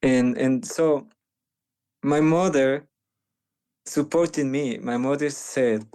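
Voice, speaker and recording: Guest: young Panamanian man, slow and mellow, halting speech full of restarts, second-language speaker. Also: medium pitch, clean tone. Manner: halting, many restarts and fillers. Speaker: guest, medical missionary. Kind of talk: conversational interview.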